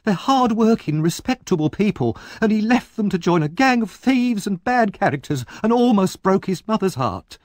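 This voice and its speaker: A man's voice: sits high, lively intonation, moderate pace, few pauses, a little mellow, dry recording, studio quality, voice pushed up. A man voicing a theatrical young woman who wails and carries on. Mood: wailing. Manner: theatrical, wailing. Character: young woman, dramatic, wailing.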